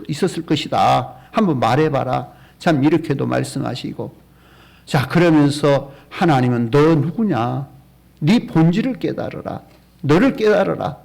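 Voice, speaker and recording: Gravelly Korean pastor preaching. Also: male voice, a little high, a little mellow. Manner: earnest preaching with many rhetorical questions. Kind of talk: sermon. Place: church.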